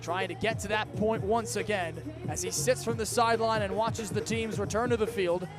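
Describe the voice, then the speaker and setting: A man in his twenties with an American accent calling live football on radio as play-by-play announcer, in crisp, detail-packed phrases. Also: high-pitched, fairly even intonation, moderate pace, music in the background. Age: 20s.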